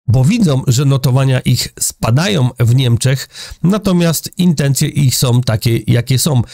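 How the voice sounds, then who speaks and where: A man's voice: mid-range voice, vocal fry, a little mellow, dry recording, studio quality. A middle-aged man from Poland giving sarcastic, indignant political commentary to his viewers from a room with a big window. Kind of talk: opinionated news commentary. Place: indoor room with a large window over a city.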